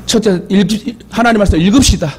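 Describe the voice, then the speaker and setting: A man's voice: sits high, brisk, darkish tone. A male pastor with a Jeolla Korean accent, preaching a sermon with joking asides and calls for amens. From Jeolla region of Korea. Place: church sanctuary.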